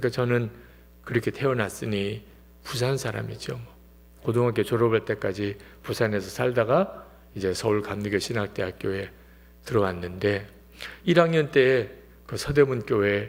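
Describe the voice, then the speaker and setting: Using vocal fry, a man speaks at a moderate pace and a fairly low pitch with ordinary pitch variation, leaving long, frequent pauses. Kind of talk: sermon, personal story.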